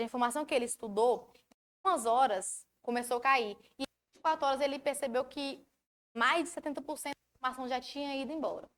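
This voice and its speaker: Brazilian lady mentor giving a lesson, high voice, keeps asking the class questions. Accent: Brazilian Portuguese. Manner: asks the audience questions, explains in an animated way. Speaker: study mentor. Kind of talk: online lecture.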